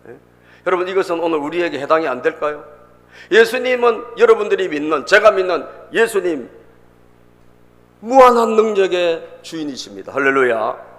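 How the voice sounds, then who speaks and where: A man's voice: sits high, animated, moderate pace. A male pastor delivering an emphatic sermon, repeating phrases and calling out to the congregation in a church sanctuary. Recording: long reverb in a church hall.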